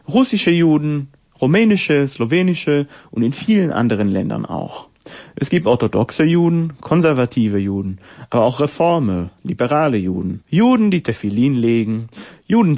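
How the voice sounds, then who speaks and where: Measured young man hosting a radio feature. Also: mid-range voice, a little mellow. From Israel. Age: 20s. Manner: measured, rhetorical, list-like delivery. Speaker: radio host. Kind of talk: radio feature narration and interview.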